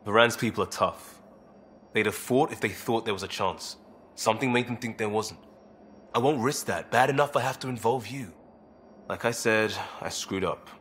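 An actor playing an earnest, guilt-ridden young crewmate in a video game, speaking in halting, informal, clipped phrases. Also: male voice, lowish voice, fairly bright tone, slight background noise, lightly acted. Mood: guilty, uneasy. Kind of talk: video game cutscene dialogue.

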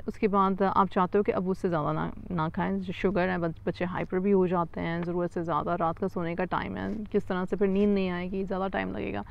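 A woman's voice: mid-range voice, clear, resonant tone, highs cut off. A woman talking through a parenting book chapter in a conversational way, explaining patiently and often switching into English phrases.

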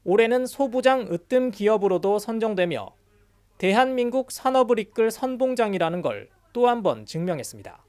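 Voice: mid-range voice, very animated, brisk, darkish tone. A news reporter reading scripted narration for a broadcast industry report.

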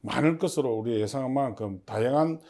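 Formal and somewhat halting, the head of a public agency answers an interview as though partly reading prepared notes. He speaks at a medium pitch with a darkish tone.

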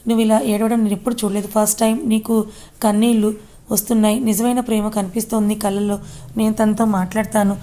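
A woman's voice: medium pitch, flat delivery, fast, warm tone, natural voice. A woman reading a comforting young friend. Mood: soothing. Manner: plain read-out dialogue.

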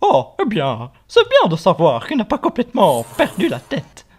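A man voicing a befuddled, excitable male chess king with a husky voice, in a cartoon fan dub. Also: sits high, moderate pace, heavily acted.

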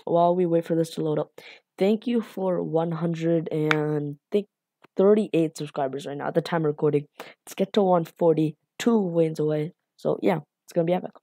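A woman with a slightly raspy late-night voice hosts a casual coding tutorial, rambling and apologizing with lots of fillers. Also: deep voice, normal speed, mellow, dry recording. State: a bit raspy from being up late.

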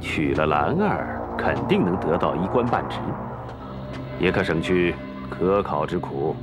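A man's voice: low-pitched, big pitch swings, unhurried, loud music behind the voice. A scheming merchant father. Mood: coaxing. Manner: persuasive, coaxing. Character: scheming middle-aged merchant father, ambitious. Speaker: scheming father advising his son. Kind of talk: period TV drama acting.

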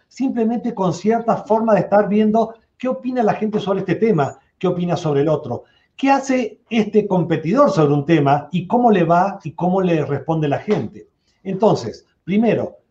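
Warm-voiced man explaining marketing. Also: sits high. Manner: explanatory, conversational, lively. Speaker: marketing expert, panel guest. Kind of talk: expert commentary on a webinar panel. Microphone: video call, laptop mic. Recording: muffled video call audio.

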